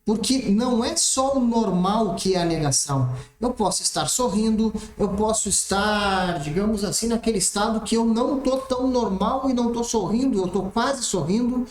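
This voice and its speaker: A man's voice: high-pitched, moderate pace, hardly any pauses. A man teaching an exam-prep math lesson, explaining step by step and checking in often. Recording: roomy echoey room.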